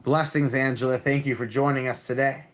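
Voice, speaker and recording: A man reading tarot cards on a live stream, talking calmly and repeating himself, with frequent restarts. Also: medium pitch, fairly quick, a little hiss or hum. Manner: calm, repetitive, with many restarts.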